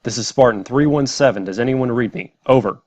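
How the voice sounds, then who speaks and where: A man's voice: medium pitch, fairly quick, darkish tone, lightly acted. A man playing an armored soldier making a clipped, formal military radio call for a reply. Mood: urgent, formal. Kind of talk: military radio transmission acting.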